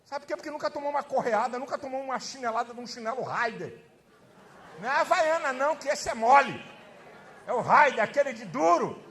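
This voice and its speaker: Brief: male pastor, a fiery sermon with a lively swinging delivery, emphatic and frequently shouting. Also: very high-pitched, fairly quick.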